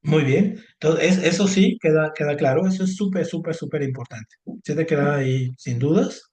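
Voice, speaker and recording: Man, tutor, patient step-by-step explaining, slightly high voice, roomy echo. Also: moderate pace, darkish tone. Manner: patient, explains step by step, repeats words, frequent "ajá" and "ujú". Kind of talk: online Spanish grammar lesson.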